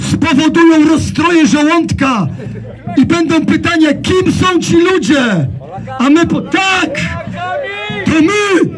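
Man, Polish accent, outdoor rally speech, slow emphatic shouting, crowd murmur behind. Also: extremely high pitch, rough recording. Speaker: rally speaker. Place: outdoor meadow gathering.

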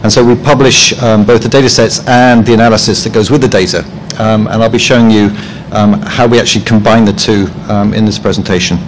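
A man's voice: lowish voice, fairly even intonation, fairly quick, slight background noise, rough recording. A man presenting at a professional conference, speaking hesitantly with many ums and restarts, and slipping in dry, self-deprecating jokes. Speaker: conference presenter, head of publishing. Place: conference room.

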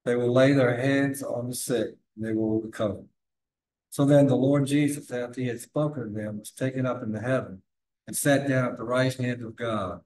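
A man's voice: mid-range voice, steady tone, moderate pace, a little mellow. An older man reading a scripture lesson aloud in plain, careful phrasing, recorded from a distance in a large cathedral. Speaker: lay reader. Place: large cathedral sanctuary, indoors. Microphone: far camera.

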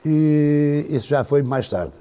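An older Portuguese man, a podcast guest, slowly recalling his family's past in a halting, unhurried way with many restarts. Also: fairly high pitch, warm tone. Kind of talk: casual reminiscing.

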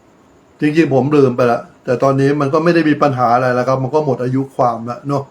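On his own channel, a middle-aged man rattles off casual political commentary at a very fast clip. His mid-range voice stays fairly even in intonation. He's blunt and crude, swearing freely while lecturing viewers with preachy advice.

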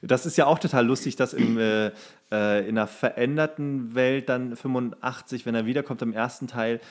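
A man hosting a podcast, chatting casually about films in a rambling, halting way, searching for words. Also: medium pitch, steady tone. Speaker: podcast host. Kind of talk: casual film chat.

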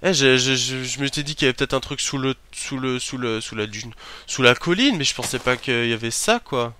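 A man giving chatty gameplay commentary as a let's play host, talking to himself and bursting into startled shouts and curses. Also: mid-range voice, brisk, smooth.

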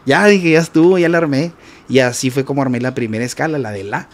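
A man with a Mexican accent, a guest musician telling a story in a casual interview, animated and repetitive, sometimes mimicking notes with "ta ta". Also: medium pitch, fast talker.

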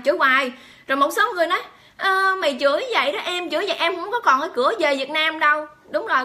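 Woman, vlogger, high bright voice, rapid, exclamatory, rhetorical questions. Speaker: vlogger addressing viewers. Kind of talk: emphatic monologue to camera.

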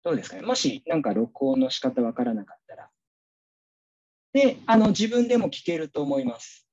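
A man's voice: medium pitch, sing-song, brisk, a little mellow, lo-fi sound. A man teacher giving a casual, chatty online workshop, walking the audience through a demo with many fillers.

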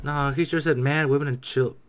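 A young adult man giving casual, joking reaction commentary, excitably echoing lines he hears. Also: medium pitch, brisk, a little hiss or hum. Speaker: reaction video creator. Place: small dark room indoors.

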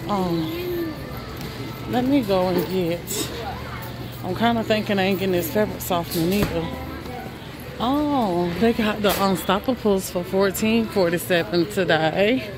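A woman's voice: mid-range voice, expressive, measured pace, long pauses, over music. A woman vlogging while she shops in a large warehouse store, chatting to viewers and exclaiming over prices. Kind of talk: casual shop-with-me narration. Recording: noisy store background. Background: store noise.

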